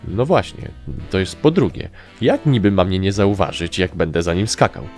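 A man's voice: deep voice, big pitch swings, moderate pace, a little mellow, faint music behind, voice pushed up. A man voicing a whiny young male sprite soldier who complains at every order. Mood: whining. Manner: whining, complaining.

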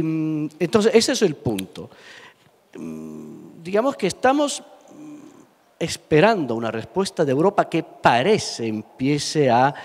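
A middle-aged man from Sicily, Italy, whose first language is Italian, speaks with an Italian accent during a public panel talk on stage in a large indoor hall. His medium-pitched, slightly mellow voice comes through a handheld mic in a reverberant hall, and he speaks passionately and emphatically, halting on fillers and repeated words.

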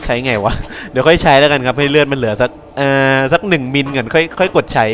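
A man's voice: mid-range voice, quick pace, fairly bright tone, faint music behind. A young man giving casual, crude, joking commentary while playing a horror game, talking back at the game. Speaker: gameplay commentator.

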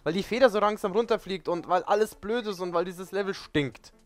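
A man's voice: high-pitched, brisk. A man hosting a let's play, complaining and swearing in casual gaming commentary. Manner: whiny, swearing, animated.

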